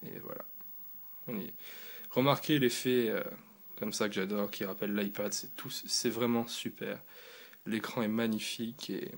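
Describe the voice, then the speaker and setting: Casting: man, casual gadget reviewer, gravelly edge, rambling delivery. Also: fairly low pitch. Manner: loose and rambling, with fillers and restarts. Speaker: tech reviewer.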